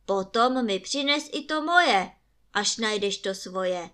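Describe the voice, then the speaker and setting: A woman voicing a fearsome giant guard in a storybook reading, booming and shouting. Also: animated, clean tone. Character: fearsome huge male giant guard, gruff.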